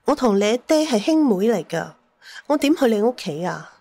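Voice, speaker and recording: A woman playing a solemn, loving middle-aged mother who leads a mystic clan, speaking in a measured, earnest way in an audio drama. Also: on the high side, sing-song, warm tone, no echo. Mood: tender. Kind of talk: Cantonese audio drama acting.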